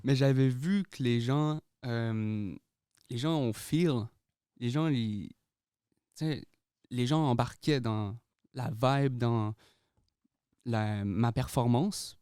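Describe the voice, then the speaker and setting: A young Québécois man talks easily in a casual interview, dropping English words and laughing often. His voice is smooth and clear, recorded dry and close. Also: medium pitch, takes it slowly, pauses often, dark tone, dry recording. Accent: Québécois French. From Quebec, Canada. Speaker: guest artist.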